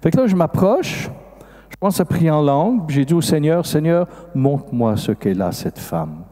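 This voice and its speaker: An older Catholic priest with a Québécois French accent, telling a story in a sermon and acting out the dialogue. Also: male voice, moderate pace. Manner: animated, acts out dialogue with sudden rises in pitch. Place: large festival hall. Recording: long reverb of a large hall.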